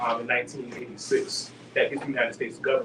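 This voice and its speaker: A man with an American accent at a fairly quick pace, amid noticeable background noise. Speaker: professor. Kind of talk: interview. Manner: fast.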